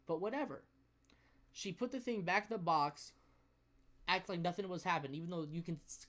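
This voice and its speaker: A man's voice: a little high, fairly bright tone. Young man in an exasperated, sweary rant. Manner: profane, exasperated, emphatic, halting with repeated words. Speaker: storyteller. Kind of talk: casual ranting storytelling.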